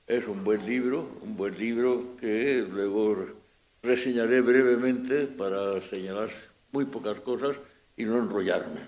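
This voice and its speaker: A man's voice: fairly low pitch, darkish tone. Hesitant Spanish-accented man giving a talk. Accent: Peninsular Spanish. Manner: hesitant, repeats and restarts words, searching phrasing. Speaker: speaker at a book presentation. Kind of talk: informal public talk.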